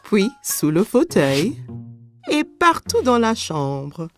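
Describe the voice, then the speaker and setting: A woman narrating a scripted children's story in a clearly phrased storytelling manner. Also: mid-range voice, very animated, slow, faint music behind.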